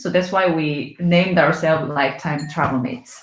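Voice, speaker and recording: The voice is somewhat breathy, unhurried at a fairly slow pace, and lively in intonation. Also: woman. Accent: Korean. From South Korea. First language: Korean. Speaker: travel vlogger. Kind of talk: casual live Q&A chat.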